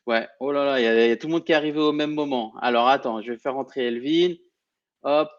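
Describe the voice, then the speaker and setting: A man's voice: mid-range voice, fast, lo-fi sound. A man hosting a casual football debrief livestream, chatty and welcoming, with frequent restarts. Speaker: host.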